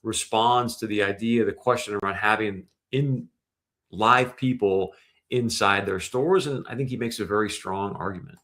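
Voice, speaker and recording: A man's voice: on the low side, normal speed, a bit bright. A man hosting a show, giving conversational, explanatory industry commentary with emphasis. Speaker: show host.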